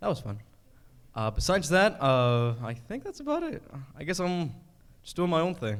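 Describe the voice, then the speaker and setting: Here a man talks at a moderate pace. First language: not English. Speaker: voice actor. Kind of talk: convention panel talk. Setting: stage with audience.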